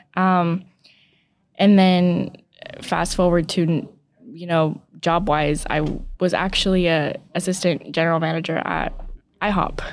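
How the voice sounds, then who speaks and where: Pausing long and often, a woman with a fairly low voice speaks in a flat monotone. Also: fairly slow pace. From Mexico, Guadalajara. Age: 20s. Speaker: real estate investor. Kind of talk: podcast interview. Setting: studio.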